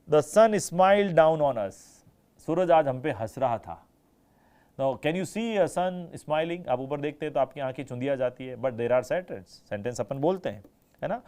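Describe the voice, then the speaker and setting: A man's voice: a little high, mellow. A man with an Indian English accent teaching a live online English class, mixing Hindi and English, asking students questions and imitating sounds for his examples.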